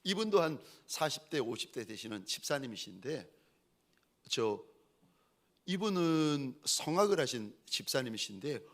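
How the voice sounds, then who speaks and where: A man preaching a sermon as a pastor, telling stories in an animated way and acting out the people he quotes. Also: mid-range voice, a little slow.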